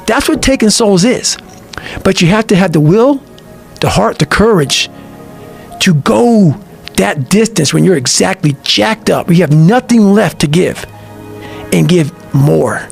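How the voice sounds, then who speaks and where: A man telling a profane, forceful motivational story in an intense talk, with faint music behind him. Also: sits high, expressive, a little slow, creaky. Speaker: motivational speaker.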